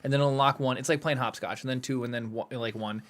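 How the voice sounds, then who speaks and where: A man co-hosting a podcast in casual, animated chat, laughing often as he talks. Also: medium pitch, fast. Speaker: podcast co-host. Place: home studio podcast set.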